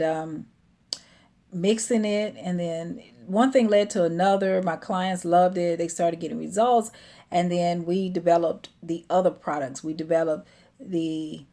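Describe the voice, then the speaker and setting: A woman's voice: fairly low pitch, dark tone. A middle-aged woman, a hair care business owner, telling her personal story in a chatty way with many fillers.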